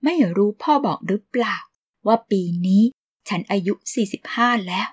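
A woman's voice: medium pitch, normal speed, breathy edge, natural voice. A woman voicing a blunt, tough-talking single woman in her mid-forties who scolds a younger man. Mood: gruff. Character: blunt 45-year-old single woman shopkeeper.

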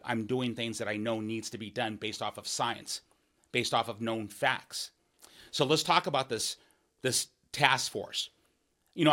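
With a mid-range voice and a sharp tone, a man running for office in Washington State walks podcast listeners through his policy plans. The monologue is earnest and emphatic, punctuated by restarted phrases and "right?" asides.

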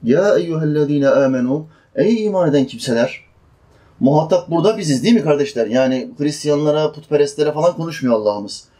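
A man preaches a sermon on Quran verses, chanting them slowly before explaining them in plain speech, and he poses questions to his listeners and answers them himself. His voice sits on the high side, animated and mellow.

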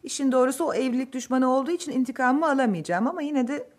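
A woman's voice: sits high, very fast. An actress playing a newly married young woman in a radio drama, speaking earnestly and insistently about her friend. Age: young adult.

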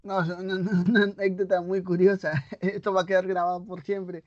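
A man's voice: high-pitched, little pitch movement, fairly quick, a little mellow, dry recording. A man from Latin America hosting a podcast interview, asking questions in a curious, easygoing way. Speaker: podcast host. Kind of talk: casual interview. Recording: dry, dull lo-fi recording.

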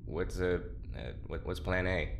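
A man playing an awkward, wry prisoner in an audio drama, halting, apologetic and understated. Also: low-pitched, flat delivery, slight background noise. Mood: awkward, subdued. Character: awkward, wry, hesitant male prisoner, handy with machines. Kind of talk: naturalistic audio drama acting.

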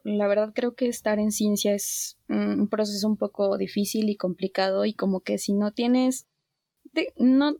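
A woman's voice: medium pitch, vocal fry, mellow, no echo, clean studio sound. A woman guest on a podcast, talking thoughtfully with small restarts. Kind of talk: casual chat.

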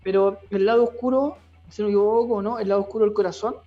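High-voiced male host, dull sound. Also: fairly even intonation, fast, soft background music. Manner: reads out listener questions, stammers. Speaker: radio host. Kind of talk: casual interview chat.

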